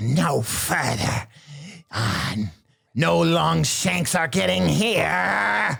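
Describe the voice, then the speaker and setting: In a put-on character voice, a man with a fairly low, raspy pitch cackles through very wide pitch swings at a very slow pace. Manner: wicked, menacing.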